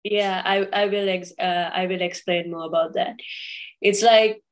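A woman's voice: medium pitch, fairly even intonation, unhurried. A woman from Sri Lanka, a podcast guest, talking in a casual and hesitant way with many fillers and restarts. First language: English. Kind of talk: casual interview talk.

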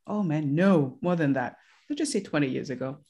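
A middle-aged woman with a Burundian accent in a casual podcast chat, animated and halting, with frequent exclamations. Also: sits low, muffled recording.

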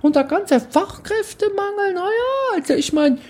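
A man doing a high grumbling Saxon cabbie. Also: sing-song, darkish tone. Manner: high-pitched, complaining, drawn-out dialect. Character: blunt grumbling middle-aged male taxi driver.

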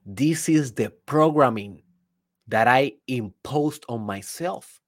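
In a mid-range, expressive voice, a Spanish-accented man who grew up speaking Spanish takes it slowly through an emphatic solo motivational talk. As a business coach, he keeps throwing rhetorical questions at the listener.

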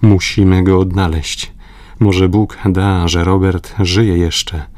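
A man reading an audiobook, voicing a grieving noble lord who pleads with his companions in a low, dry voice. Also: level tone, takes it slowly, darkish tone, no echo. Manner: pleading, emotional. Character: grieving noble lord, leader of a search party.

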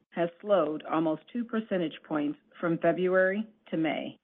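A woman company executive giving a formal, scripted earnings presentation in a measured, deliberate way over a conference call line. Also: fairly low pitch. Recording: narrowband phone conference line.

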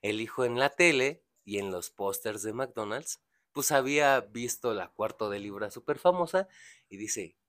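A young Mexican man tells a long story in loose, profane podcast chat. His voice is bright and a little tense, and it sits dry and close to the mic. He swears freely and acts out each character. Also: on the low side, expressive, unhurried, no echo. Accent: Mexican Spanish.

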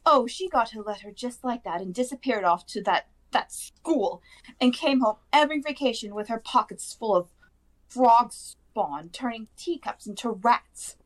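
A woman's voice: on the high side, expressive, a little slow, rough recording. A woman performs a bitter middle-aged aunt from a storybook. She rants shrilly and spitefully, full of resentment. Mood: shrill contempt. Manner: ranting, spiteful. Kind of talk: audiobook character acting.

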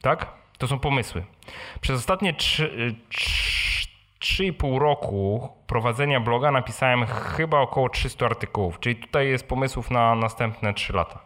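A man's voice: medium pitch, moderate pace, a bit bright. A man hosting a live question-and-answer session, speaking informally and conversationally, often tacking on short tag questions. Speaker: blogger and podcast host answering audience questions. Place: live meeting in a room with an audience.

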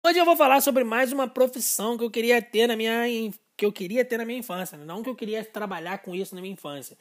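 A man's voice: very high voice, quick pace. Rambling Brazilian man hosting a podcast. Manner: rambling, self-mocking, drifts off topic; hesitant restarts and repeated words. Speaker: podcast host. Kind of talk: casual solo podcast monologue.

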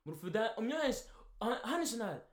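A young man chatting on a podcast, teasing and playful, with a high voice that swings up and down a lot. He sounds like he is in an echoey room. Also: very animated. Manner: playful and teasing, slips into mimicry. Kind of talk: casual chat.

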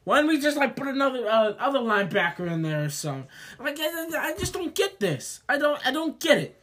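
A man's voice: very high-pitched, big pitch swings, fast, fairly bright tone. A man arguing in a heated sports debate, stammering and repeating himself, saying he is losing his voice.

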